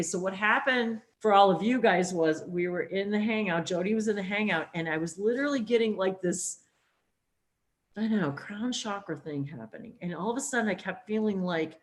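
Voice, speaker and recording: A woman hosting a spiritual interview, talking in a rambling, animated way with plenty of fillers. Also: mid-range voice, moderate pace, slight background noise. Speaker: host. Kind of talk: casual spiritual interview chat.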